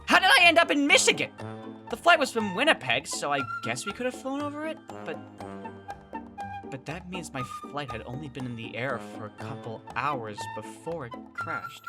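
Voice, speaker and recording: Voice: medium pitch, huge pitch swings, moderate pace, over loud music. A performer playing an anxious, wry young survivor woman, narrating and speaking in a first-person audio drama. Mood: uneasy, questioning.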